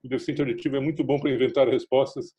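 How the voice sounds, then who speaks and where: A physician with a São Paulo accent explaining hearing loss and telling a story, acting out the dialogue. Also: male voice, mid-range voice, fairly even intonation, very fast, dark tone, dull audio. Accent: São Paulo Brazilian Portuguese. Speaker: physician guest. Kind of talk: explanatory casual chat.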